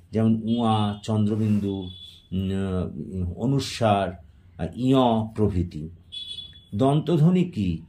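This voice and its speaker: Low-voiced man dictating exam answers. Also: slight background noise. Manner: steady question-and-answer dictation. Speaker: teacher. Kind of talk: reading exam questions and answers.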